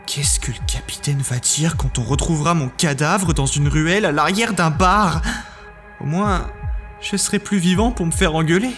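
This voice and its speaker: An actor playing a hapless young male smuggler in an audio drama, sarcastic, excitable and self-mocking. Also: a little high, moderate pace, faint music behind, close to an everyday voice. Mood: wry, resigned. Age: young adult. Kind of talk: dramatised audio narrative, character acting.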